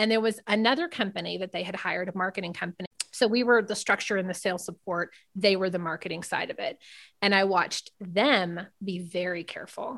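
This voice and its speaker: A woman with an ordinary speaking voice talks at a fairly quick pace, her medium pitch showing ordinary variation, on a very clean recording with a silent background. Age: 30s. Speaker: entrepreneur and business owner. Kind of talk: podcast interview.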